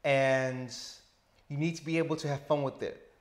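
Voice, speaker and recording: A man in his thirties with a stutter, talking slowly and deliberately as an interview guest on a lapel mic indoors. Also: medium pitch, fairly even intonation. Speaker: interview guest, teacher living abroad. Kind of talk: casual interview. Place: indoor lounge with sofa.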